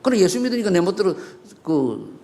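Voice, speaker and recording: A middle-aged pastor preaches to his congregation in a church, throwing out loud rising questions and then dropping to murmured asides. His voice sits high and has a gravelly edge. His pitch leaps and falls widely as he presses his points. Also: very animated, normal speed. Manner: asks the congregation questions and banters with them. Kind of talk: sermon. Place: church sanctuary.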